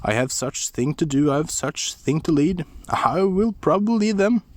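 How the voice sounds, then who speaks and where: A man voicing a cheerful young farm boy hero, calling out excitedly in a high, sing-song voice. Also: normal speed, dry recording, close to an everyday voice.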